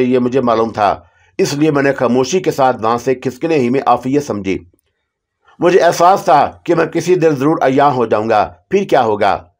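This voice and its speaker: A man's voice: mid-range voice, darkish tone. Man narrating a horror story.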